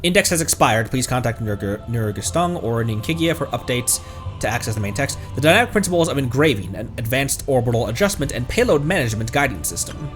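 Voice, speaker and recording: A man streaming a video game, giving commentary and reading in-game text aloud, sometimes halting and repeating words as he goes. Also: medium pitch, expressive. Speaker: streamer, host of a gaming livestream. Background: game music.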